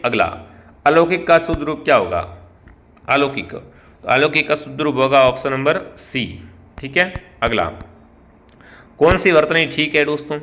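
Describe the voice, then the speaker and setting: A man's voice: fairly high pitch, expressive, moderate pace, pauses often, fairly bright tone. A man with a Rajasthani Hindi accent teaching an online spelling quiz. He asks each question, calls out to the viewers, and then answers it himself. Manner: keeps calling out to the viewers as friends. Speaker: online exam-prep teacher.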